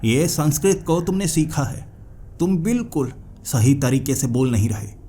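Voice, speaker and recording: A man's voice: on the high side, lively intonation, unhurried, dark tone, slight background noise, pitched above the performer's own voice. A man playing a probing ancient royal minister. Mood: interrogating. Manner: probing, questioning.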